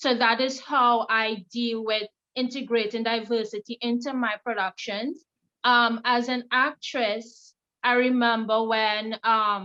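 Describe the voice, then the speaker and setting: Over a quiet background with a dry, close sound and no echo, a woman with a Caribbean accent speaks in a bright, sharp tone at a fairly high pitch. Her delivery is very slow with monotone, flat intonation. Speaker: actor and producer. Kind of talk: panel discussion.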